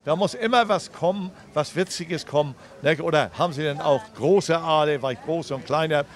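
Older man, tenor, fairly high, joking interview patter, handheld mic outdoors. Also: normal speed. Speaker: fish seller and entertainer. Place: outdoor market stall. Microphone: handheld reporter microphone.

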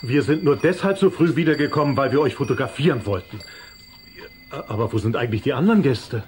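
A man's voice: medium pitch, expressive, quick pace, a little hiss or hum, natural voice. A man playing a blustering, easily indignant middle-aged father in a children's audio drama. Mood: gruff, calmer.

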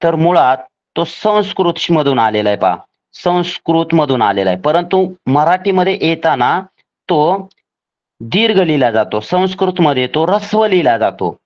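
A man teaching a grammar lesson for a scholarship exam, spelling out each rule slowly and deliberately, step by step. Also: a little high, big pitch swings, muffled recording.

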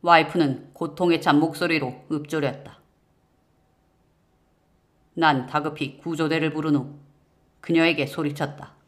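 A man narrating a first-person horror-mystery audiobook in a measured, suspenseful way. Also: on the high side, steady tone, a bit bright.

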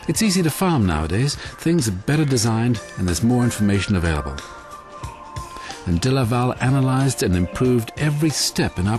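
A man plays a reflective dairy farmer who muses aloud with a lively rise and fall in his voice. Soft music plays behind. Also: mid-range voice, lightly acted. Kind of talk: scripted promotional voice-over.

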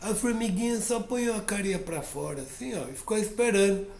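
A man's voice: high voice, brisk, creaky. Playful storytelling man, roomy echo. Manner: lively, playful, with sound effects. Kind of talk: oral storytelling for a class.

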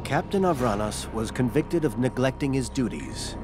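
A man narrating a documentary in a measured, dramatic scripted voice-over. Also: mid-range voice, expressive. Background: loud music score.

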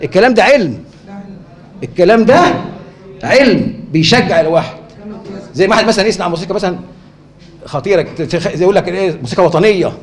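In an echoey lecture hall, a man with an Egyptian accent gives a conference lecture in a high-pitched, animated voice. He talks quickly with frequent pauses, repeatedly posing rhetorical questions and answering them himself.

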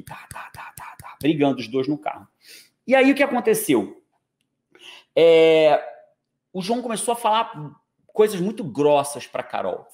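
Lively Brazilian coach in an echoey room. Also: male voice, fairly high pitch. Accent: Brazilian Portuguese. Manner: lively, joking, slangy, keeps checking in with listeners. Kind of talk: live online talk to an audience.

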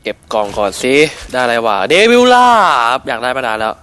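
A man with a cold casually commentating a shooting game as a channel host, excitable and swearing at the action. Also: medium pitch, fast talker, clear, resonant tone, soft background music. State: has a cold.

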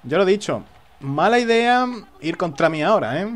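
Man, gameplay commentator, animated pitch, jokey, taunting enemies. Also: moderate pace. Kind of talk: live gaming commentary.

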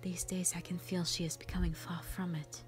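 A woman voicing a gentle, ancient black dragon, a protective and sorrowful elder sister, in a hushed, breathy, halting dramatic monologue. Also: fairly low pitch, little pitch movement, music in the background, natural voice. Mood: troubled, wistful. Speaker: audio roleplay performer. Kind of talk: soft whispered dramatic monologue, ASMR-like.

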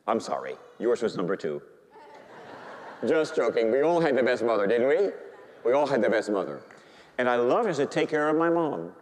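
A middle-aged man, a priest, preaching and telling a story with great feeling, dropping to a hush and rising to high excited tones. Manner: animated storytelling, swings from hushed to high excited voice. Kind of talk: sermon. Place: church. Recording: reverberant church hall.

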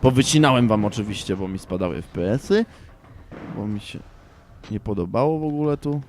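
A young man commentating a horror game, shouting in panic and then grumbling in frustration. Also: fairly low pitch, brisk, a little hiss or hum. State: frustrated and agitated. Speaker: gaming channel host.

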